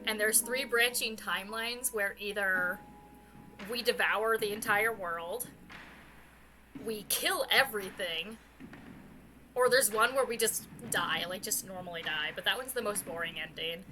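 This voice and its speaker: A woman hosting a game livestream, chatting casually in an animated, giggly and informal way. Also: mid-range voice, a little slow, soft background music. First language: English. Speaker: livestream host. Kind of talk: casual game stream chat.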